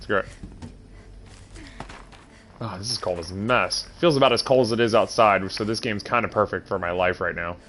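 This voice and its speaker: A man's voice: fairly low pitch, moderate pace, pauses often, a bit bright, slight background noise. Congested man chatting over his game. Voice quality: nasal. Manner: rambling, chatty asides to viewers. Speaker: streamer playing a game. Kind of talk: casual game commentary.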